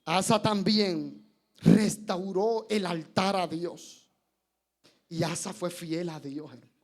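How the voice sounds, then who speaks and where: High-voiced, unhurried preacher. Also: male voice. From Colombia. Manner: engages the congregation with questions and chuckles. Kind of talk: sermon. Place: church service.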